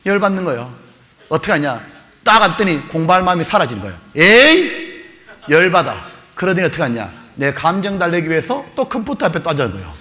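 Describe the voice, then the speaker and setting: Animated pastor in a reverberant hall. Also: male voice, high-pitched. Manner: animated storytelling, acting out mother and kids in raised voices. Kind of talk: youth retreat sermon with acted story.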